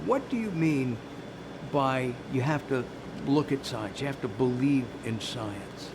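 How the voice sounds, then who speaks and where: A man's voice: medium pitch, lively intonation, measured pace, background noise. A man hosting an interview program, friendly and teasing, often hesitating with "uh". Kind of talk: hosted interview.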